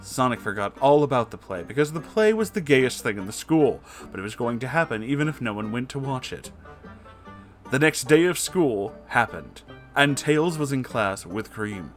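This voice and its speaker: A man's voice: mid-range voice, big pitch swings, normal speed, soft background music. A man reading fan fiction aloud for comedy, mock-serious and amused, with dry asides. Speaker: reader.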